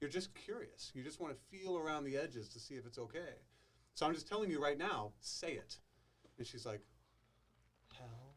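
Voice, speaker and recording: With lively intonation and a fairly high pitch, a man speaks at a moderate pace, broken by long, frequent pauses. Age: 30s. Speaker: podcast guest, author and business owner. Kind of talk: casual chat.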